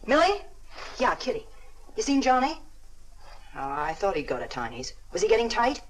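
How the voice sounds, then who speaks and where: A woman's voice: mid-range voice, very animated, normal speed, a little hiss or hum, lightly acted, low-quality recording. An actress playing a brash, slangy young woman hopelessly in love, in 1940s film acting. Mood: chatty. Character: brassy young woman, lovesick, quarrelsome.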